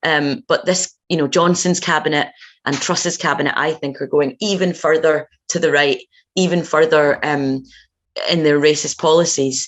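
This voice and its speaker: With a Glaswegian accent, a woman speaks in a very deep, low pitch and fairly even intonation. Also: moderate pace. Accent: Glaswegian Scottish. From Scotland, Glasgow. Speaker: anti-racism campaigner. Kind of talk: talk to an online meeting. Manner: hesitant, many fillers.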